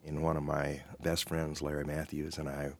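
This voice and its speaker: Old man telling his story slow and measured, very deep gravelly voice, music under. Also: completely flat delivery, no echo. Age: 70s. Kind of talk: recorded personal story.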